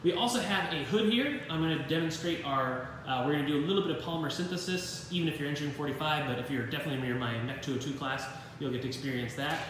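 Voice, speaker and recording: A man's voice: a little high, fast, hardly any pauses, recorded from a distance, noisy background. A man giving an informal walking tour of a university materials lab, talking in a rambling way with many fillers and dry self-deprecating asides. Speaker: university engineering instructor. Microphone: handheld phone camera while walking. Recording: very echoey room, voice off-mic.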